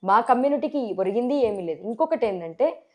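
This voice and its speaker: A woman with a Telangana Telugu accent, a sarpanch candidate answering in a TV interview, forceful and full of rhetorical questions. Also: a little high, expressive, brisk.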